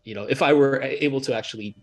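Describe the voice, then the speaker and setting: A Jamaican American man, an author, talking haltingly with many fillers and laughs, and reading from his book. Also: medium pitch. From United States, of Jamaican family.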